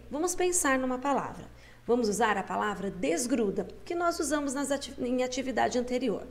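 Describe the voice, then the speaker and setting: A woman teacher, guiding young pupils through a schoolbook lesson, patient and coaxing, slowing down to sound out syllables. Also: on the high side, a little mellow.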